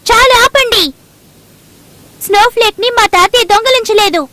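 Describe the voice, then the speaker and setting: A woman voicing an eager, tender-hearted, outspoken little girl in an expressive cartoon dub. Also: very high-pitched, normal speed. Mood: indignant. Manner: earnest, expressive. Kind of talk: Telugu cartoon dubbing.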